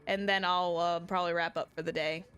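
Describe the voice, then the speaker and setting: A woman's voice: lowish voice, level tone, fairly quick, a bit bright. Casual woman streamer with music behind her. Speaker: streamer playing a game. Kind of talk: live game stream, casual commentary and reading dialogue aloud.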